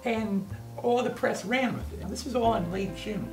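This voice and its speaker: A man's voice: high voice, moderate pace, far from the mic. A man in his thirties, an archivist, eagerly explaining and telling stories in an interview. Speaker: archivist and guide. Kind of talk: enthusiastic storytelling interview. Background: music.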